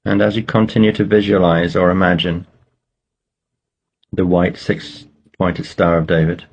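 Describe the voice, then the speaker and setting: A man leading a guided meditation, giving slow, measured instructions with pauses between phrases. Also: deep voice, little pitch movement, creaky, husky.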